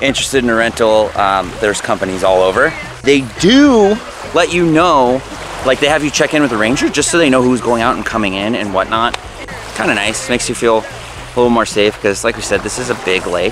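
Music plays behind a man speaking at a fairly quick pace with lively intonation. The sound is dry, with no echo. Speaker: travel vlogger. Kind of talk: casual vlog chat. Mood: excited, upbeat. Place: beach. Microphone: phone near.

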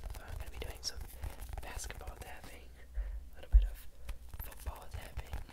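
A man at a moderate pace with long, frequent pauses, amid loud background noise. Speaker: ASMR creator. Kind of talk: ASMR whisper ramble. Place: home room. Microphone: studio mic.

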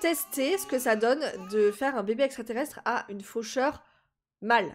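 With music in the background, a woman talks at a high pitch and a moderate pace. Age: 20s. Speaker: gaming YouTuber. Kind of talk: casual talk to camera, gameplay commentary.

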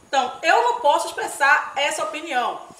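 A woman with a Bahian accent speaks in a room with audible echo. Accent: Bahian Brazilian Portuguese. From Bahia, Brazil. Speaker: YouTuber. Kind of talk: casual vlog monologue. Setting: at home. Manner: chatty, laughs often. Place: home room. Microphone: phone near.

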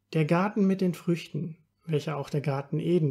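A man's somewhat breathy voice with a dark, mellow tone, a moderate pace and ordinary pitch variation in a very clean recording with a silent background. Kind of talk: bedtime story telling for children, calm fairy-tale narration with a moral. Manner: earnest, kindly preacher-like tone addressing children directly.

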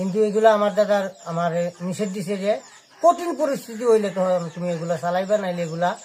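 Through noticeable background noise, a man talks in a high voice. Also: ordinary pitch variation. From Comilla, Bangladesh. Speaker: devotee practising folk rituals. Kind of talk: casual chat.

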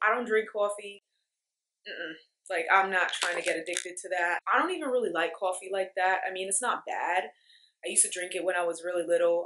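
With ordinary pitch variation, a woman delivers her words at a fairly quick pace. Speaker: vlogger. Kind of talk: casual vlog chat. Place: home room. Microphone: phone near.

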